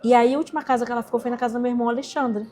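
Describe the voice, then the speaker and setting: Racing along in a slightly high voice, the interviewee from Rocinha, Rio de Janeiro, recounts a heartfelt personal story. She works as an entrepreneur and singer and animatedly imitates the people she quotes.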